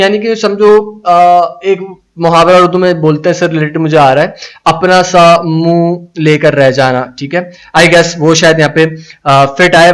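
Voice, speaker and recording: A man teaching English idioms in Urdu on a live stream, reading the English lines slowly and then explaining them. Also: on the high side, rough recording. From Pakistan. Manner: reads viewers' comments aloud.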